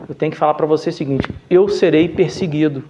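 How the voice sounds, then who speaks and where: A man voicing Jesus as a calm, fatherly teacher who gently scolds a difficult pupil. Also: on the high side, fast, highs cut off, a little hiss or hum, lightly acted. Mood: teaching. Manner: calm, fatherly, mildly exasperated.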